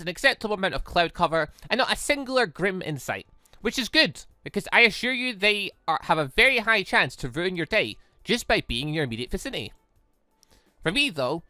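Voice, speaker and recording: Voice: medium pitch, sharp tone, dry recording, studio quality. A gamer reading aloud as a cheerful, earnest robot girl from a visual novel, with chirpy, formal wording. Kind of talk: reading game dialogue aloud.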